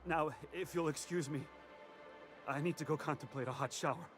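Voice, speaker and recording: A man's voice: fairly high pitch, fairly even intonation, normal speed, music in the background, lightly acted. An actor playing a shaken male cleaner in a video game, speaking in nauseated horror.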